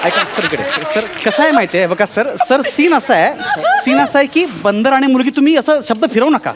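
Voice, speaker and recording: A woman's voice: high voice, lively intonation, fairly quick, over a noisy crowd, very noisy. An actress playing a pushy, exasperated woman directing a film scene, pleading over and over with her actor in a comedy sketch. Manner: pleading, exasperated, repeats "sir" endlessly.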